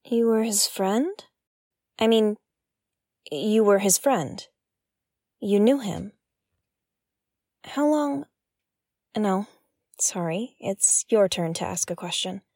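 A woman's voice: mid-range voice, takes it slowly, long pauses, mellow, no room sound, studio quality. A woman playing a wary, frustrated investigative podcaster in an audio drama, speaking in a guarded, hesitant way. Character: wary, frustrated female investigative podcast host, dogged truth-seeker. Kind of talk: naturalistic audio fiction acting.

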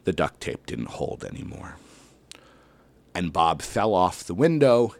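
Deep-voiced man telling a lively story. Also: gravelly. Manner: animated, with sudden loud bursts and slow dramatic drops. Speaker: elementary school teacher. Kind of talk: personal story told to an audience.

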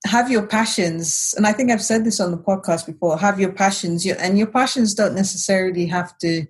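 A woman's voice: medium pitch, a little fast, breathy edge. A woman co-hosting a podcast, chatting casually in a reflective way with many hedges. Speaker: podcast co-host. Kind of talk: casual chat.

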